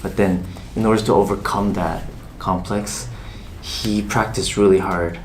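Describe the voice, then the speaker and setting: A young man in casual chat, talking gently and reassuringly to a fan with many "you know" fillers. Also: low-pitched, steady tone, a little slow, a little hiss or hum, poor audio. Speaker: K-pop idol answering a fan.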